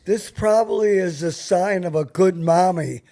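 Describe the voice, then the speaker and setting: Older man, high-pitched, grumbling. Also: unhurried, mellow. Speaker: talk show host. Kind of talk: casual chat.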